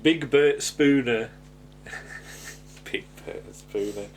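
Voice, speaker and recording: A man with a medium-pitched voice, drawing out his words, chats casually as a podcast host recapping a TV sitcom episode. He sounds hesitant and rambling, chuckling as he goes, with slight background noise behind him.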